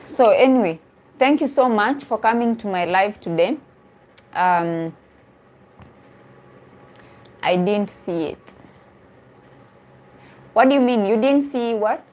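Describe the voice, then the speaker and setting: A woman's voice: mid-range voice, expressive, slow pace, long pauses, darkish tone. A woman, a dating coach chatting casually on a live stream, answering comments and repeating phrases for emphasis. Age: 40s.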